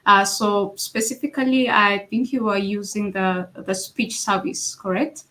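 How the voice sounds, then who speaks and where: A woman's voice: medium pitch, steady tone, a little slow, a bit bright. A woman interviewing a developer, encouraging and inquisitive, often affirming what she hears. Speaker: interviewer host.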